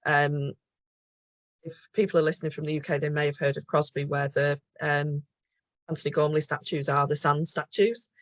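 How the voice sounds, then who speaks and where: A woman's voice: deep voice, little pitch movement, moderate pace, no echo. A middle-aged woman from the Liverpool area with a mild Liverpool accent, guest on an interview podcast, speaking thoughtfully with frequent ums and self-corrections. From England, Liverpool area. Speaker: guest, mental health nurse.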